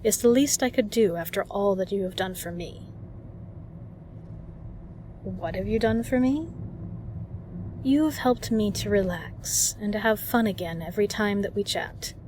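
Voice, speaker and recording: A woman's voice: mid-range voice, animated, a little slow, long pauses, background noise, natural voice. A woman playing a kind, protective, flirtatious bar regular in an audio roleplay, speaking earnestly and reassuringly to the listener. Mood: tender, sincere.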